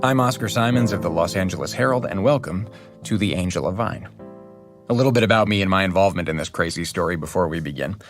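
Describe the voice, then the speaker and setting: An actor playing an earnest podcast journalist, narrating a true crime documentary in a measured, serious way. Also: male voice, low voice, soft background music, close to an everyday voice. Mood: earnest, intrigued.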